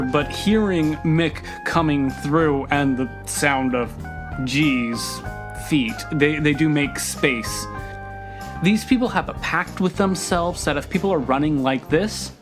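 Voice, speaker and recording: A man acting as game master, narrating scenes in a tabletop roleplaying game. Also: fairly high pitch.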